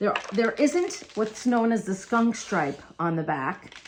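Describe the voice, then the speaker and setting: Over noticeable background noise, a woman speaks at a fairly slow pace with very wide pitch swings. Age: 60s. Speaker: music channel host, guitar reviewer. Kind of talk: product unboxing and walkthrough. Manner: casual, hesitant with fillers.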